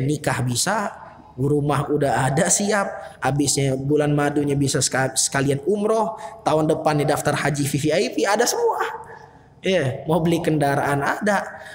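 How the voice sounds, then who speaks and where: A man's voice: high voice, slight background noise. A man giving a casual sermon, retelling stories in a conversational way with slangy asides. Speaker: preacher. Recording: echoey reverberant hall.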